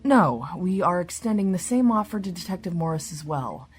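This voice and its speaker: An actress playing a senior female government agent, formal and measured, in an audio drama. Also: fairly low pitch, sing-song, soft background music. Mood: formal, composed. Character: composed, persuasive female government agent in charge.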